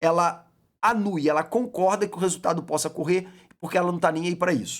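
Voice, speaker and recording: Fairly quick, high-pitched speech from a man, his pitch varying an ordinary amount. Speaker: law exam prep teacher. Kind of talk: online lecture. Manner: fast; casual, conversational.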